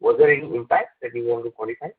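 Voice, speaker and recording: A man's voice: medium pitch, fast, breathy edge. A man with an Indian accent, an analyst hesitantly framing questions on an earnings call and repeating words as he goes. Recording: narrow tinny phone line.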